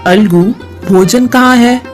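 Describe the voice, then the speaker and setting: A woman voicing a kindly male Hindu god, gentle and measured, in an animated devotional story. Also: on the high side. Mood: calm, benevolent. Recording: music behind the voice.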